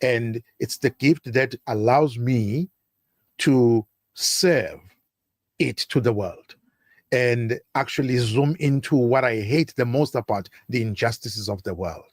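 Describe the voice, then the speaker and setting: A man's voice: medium pitch, slow pace, no room sound, clean studio sound. A man from South Africa, a guest on a talk show, speaking at length in an expansive, speechifying way. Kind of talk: talk-radio interview.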